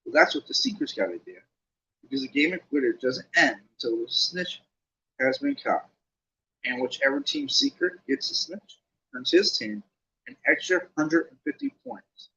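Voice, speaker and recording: A man's voice: a little high, sing-song, normal speed, vocal fry, pushed and bright, exaggerated voice. A man voicing a schoolboy who explains rules in a heavy, resigned way. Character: patient schoolboy explaining a sport, a bit weary. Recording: dull lo-fi recording.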